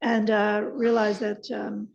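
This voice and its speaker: A woman's voice: mid-range voice, completely flat delivery, slow pace, gravelly, a little hiss or hum. A woman city councillor with a Canadian accent who is losing her voice, speaking hesitantly and repeating words as she thinks aloud. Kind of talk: council meeting remarks. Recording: dull council room sound.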